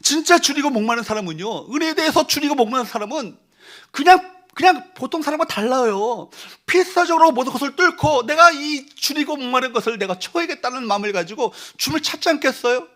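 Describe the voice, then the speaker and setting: Preaching a Sunday sermon from a church sanctuary, a male pastor speaks fairly quickly in a very high, fairly bright voice with lively intonation. He is emphatic, full of rhetorical questions for the congregation, and guides them in reading verses aloud.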